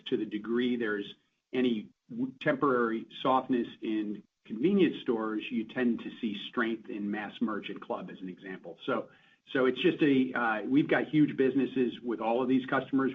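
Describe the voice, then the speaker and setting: A man's voice: mid-range voice, moderate pace. A man speaking as a chief executive, giving assured explanations on an earnings call. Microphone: conference call line. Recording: dull conference call line, faint noise.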